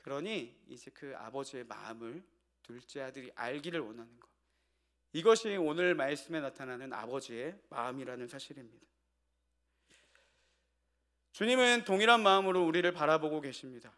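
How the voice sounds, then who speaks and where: A man's voice: mid-range voice, expressive, normal speed, long pauses, a bit bright. A male pastor preaching an evening sermon in a church. He tells a family story and asks the congregation rhetorical questions.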